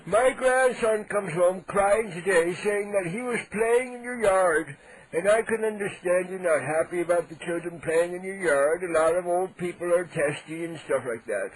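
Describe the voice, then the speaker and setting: A man's voice: sits high, moderate pace, natural voice, low-quality recording. A man playing a cranky, indignant 87-year-old neighbor on a prank call, making blustering threats with mock-polite outrage. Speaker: prank caller.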